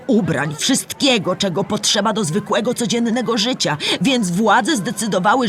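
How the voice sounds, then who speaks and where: In a scripted audio play, a woman plays a patient storyteller explaining history to children. Her delivery is clear and measured, in a natural, mid-range voice.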